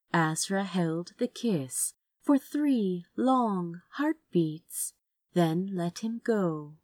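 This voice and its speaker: A woman reading fantasy fiction aloud as an expressive audiobook narrator. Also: medium pitch, no echo, studio quality.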